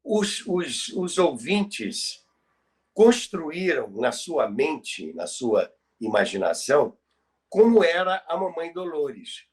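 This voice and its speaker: A Brazilian man co-hosting a podcast, telling stories about radio history in a halting way that repeats words. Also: a little high, very animated. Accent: Brazilian Portuguese. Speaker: podcast co-host.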